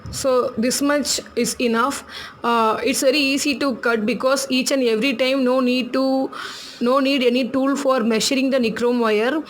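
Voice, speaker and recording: A native Tamil speaker with a Tamil accent hosts a casual, hands-on jewelry tutorial, chatting, laughing often, and repeating her instructions. Her voice sits high with fairly even intonation at a normal speed, and there's slight background noise.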